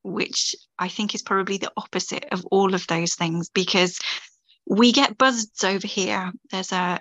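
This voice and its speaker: A woman's voice: mid-range voice, sharp tone, no room sound. A woman guest in a casual interview, speaking with enthusiasm and frequent restarts. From England. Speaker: podcast guest, writer.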